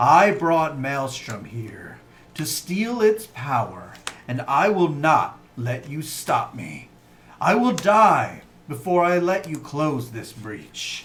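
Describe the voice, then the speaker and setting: Putting on a character voice, a man growls at a very slow pace with a fairly high pitch, very wide pitch swings and big swings in loudness. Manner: snarling, menacing, defiant.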